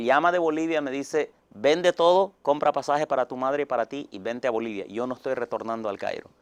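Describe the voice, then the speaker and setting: This man's voice sits fairly high for a male, moving at a fairly quick clip with ordinary pitch variation and a dry, close sound free of echo. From Egypt. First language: Arabic (speaking Spanish). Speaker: pastor. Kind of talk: testimony.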